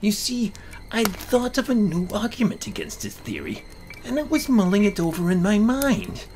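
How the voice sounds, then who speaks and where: A man's voice: sits high, sing-song, moderate pace, a little mellow, a little hiss or hum. A man giving a theatrical, emphatic dramatic reading of a horror comic story. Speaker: amateur narrator. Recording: voice over background music.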